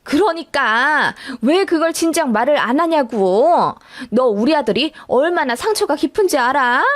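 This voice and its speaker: Brief: woman playing a bossy middle-aged mother-in-law, accusing and self-righteous, high voice, dry sound. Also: lively intonation, a little slow, no echo. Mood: scolding. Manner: nagging, accusing.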